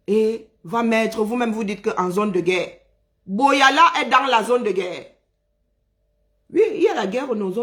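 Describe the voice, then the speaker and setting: A man's voice: high voice, fairly bright tone. A man from Cameroon, ranting on a live stream, agitated and indignant, hammering his points home by repeating phrases. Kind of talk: angry live-stream rant.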